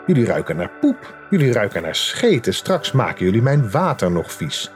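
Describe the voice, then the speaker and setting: A man's voice: mid-range voice, very animated, normal speed, faint music behind, lightly acted. A man voicing a rude, impatient little man who guards a lake and spits when he talks, in a storybook tale. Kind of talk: storybook character voice.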